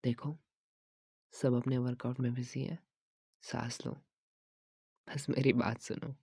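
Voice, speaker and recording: Whispered role-play: man as a teasing young gym trainer, husky and slow, soft coaxing delivery. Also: little pitch movement, no echo, studio quality. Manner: soft, coaxing, teasing with frequent low laughs; mixes Hindi and English phrases. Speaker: ASMR creator.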